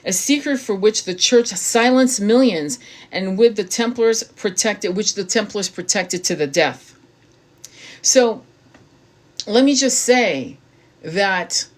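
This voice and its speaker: A woman hosting her own channel, reading aloud from a book and breaking off into blunt, casual commentary with frequent swearing and stumbles. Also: mid-range voice. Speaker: tarot reader and spiritual channel host.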